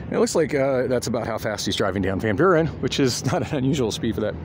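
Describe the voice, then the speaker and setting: Rambling man by loud traffic. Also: medium pitch, expressive, fast. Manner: rambling, many restarts and fillers, wry asides. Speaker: vlogger waiting for a tow truck. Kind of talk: rambling casual vlog monologue. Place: outdoors at a gas station at night. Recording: loud street noise outdoors. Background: loud traffic and street noise.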